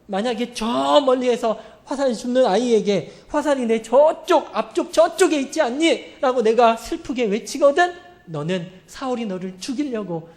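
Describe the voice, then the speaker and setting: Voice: medium pitch, lively intonation, moderate pace, natural voice. Pastor playing a sorrowful young prince calling a warning aloud, in a retold sermon story. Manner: calling out loudly. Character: grieving young prince signaling a friend to flee.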